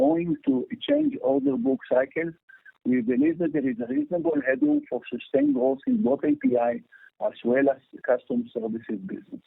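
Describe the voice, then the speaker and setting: A man's voice: very high-pitched, gravelly, husky, no room sound. A man with an Indian accent reading a formal earnings presentation as a company executive over a phone line, stumbling over some words. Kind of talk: scripted earnings call presentation. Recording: thin, phone-like conference line.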